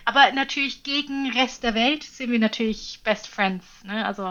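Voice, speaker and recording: Guest: chatty woman with a Norwegian accent, higher voice, muffled recording. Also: moderate pace, sharp tone. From Norway. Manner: chatty, laughs often, explains with examples. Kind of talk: casual chat.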